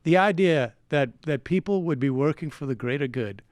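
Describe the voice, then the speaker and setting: A man with a slightly high, animated voice talks casually on a comedy show. He is sarcastic and halting, with a dry, close sound. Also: dry recording. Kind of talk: casual comedic panel chat.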